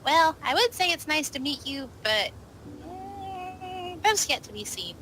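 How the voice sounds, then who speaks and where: A woman's voice: very high-pitched, very animated, unhurried, pushed and bright, slight background noise. A woman playing a tabletop roleplay, talking casually in character with a dry, skeptical manner. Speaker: roleplay player.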